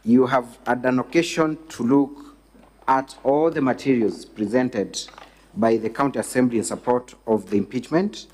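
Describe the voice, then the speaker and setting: A Kenyan man with a medium-pitched voice speaks as a lawyer in a formal hearing. He phrases his questions courteously and deliberately, piece by piece. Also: a little mellow. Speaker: defence lawyer questioning a witness. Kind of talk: formal legal examination.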